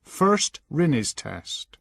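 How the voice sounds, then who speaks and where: A man with a slightly high voice narrates a scripted lesson. He gives instructions in a measured way, recorded close and dry with no room sound. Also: very animated, gravelly, a bit bright, no echo.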